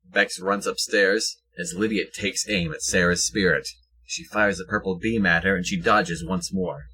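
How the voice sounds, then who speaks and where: Male narrator, scripted action storytelling, deep, sharp-edged, husky. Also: fairly even intonation, moderate pace, rough recording.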